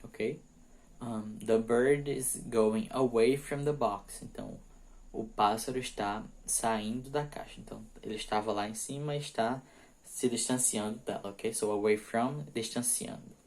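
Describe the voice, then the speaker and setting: A man teaching English prepositions, reading example sentences slowly and explaining them quickly, often checking in with "ok?". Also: mid-range voice, steady tone, a little mellow. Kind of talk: bilingual grammar lesson.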